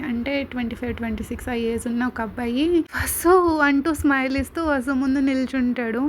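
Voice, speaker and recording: A woman tells a serial story in a relaxed, conversational way and mixes in English words. Her voice sits high. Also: slight background noise. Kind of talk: story narration.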